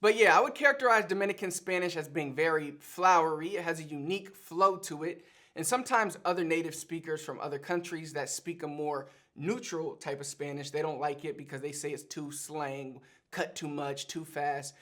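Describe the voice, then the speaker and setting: A Puerto Rican man with a Puerto Rican accent, hosting and explaining things in a lively, chatty way. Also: on the high side, normal speed. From Puerto Rico. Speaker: Spanish teacher and channel host. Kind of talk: casual teaching monologue to camera.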